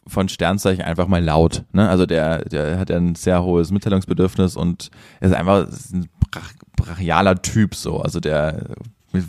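Lively lower-voiced man telling stories. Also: moderate pace, dry recording, clean studio sound. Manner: animated storyteller, many restarts. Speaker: podcast co-host. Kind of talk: casual chat.

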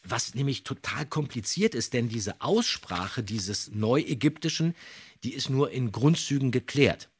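A man with a husky, slightly rough voice co-hosts a podcast. His pitch swings widely as he tells the story, leaning on key words to build suspense. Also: expressive, unhurried. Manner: dramatic emphasis, builds suspense. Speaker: podcast co-host. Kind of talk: animated storytelling, podcast talk.

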